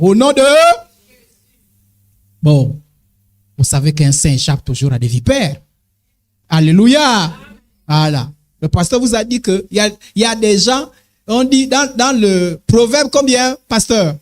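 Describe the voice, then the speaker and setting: A man preaching an animated sermon as an apostle, exclaiming and calling "amen, amen" to the congregation, swinging his pitch up and down for emphasis. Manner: swings sharply between high and low pitch for emphasis.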